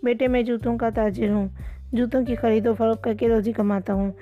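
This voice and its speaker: Woman voicing a smooth-talking middle-aged uncle. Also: fairly high pitch, little pitch movement, phone-quality sound, soft background music, lightly acted. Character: middle-aged man, smooth-talking shoe trader, fatherly.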